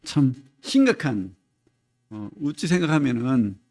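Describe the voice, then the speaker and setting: Middle-aged pastor guy, chatty sermon, keeps asking the crowd "right?", rough fry in his voice, medium pitch. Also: sing-song, a little slow, darkish tone. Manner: conversational preaching, constant "right?" tag questions to the congregation; acts out voices of people in his stories. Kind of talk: Sunday sermon.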